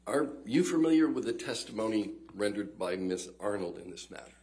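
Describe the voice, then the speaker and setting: A man questioning a witness as a trial attorney, formal and measured, heard in a courtroom recording. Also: fairly low pitch, expressive, darkish tone.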